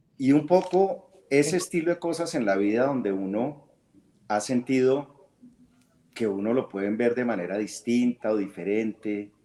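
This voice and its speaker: Lively intonation runs through a dark, mellow voice that moves at a fairly slow pace. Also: man, medium pitch for a man. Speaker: oil company executive. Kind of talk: interview conversation.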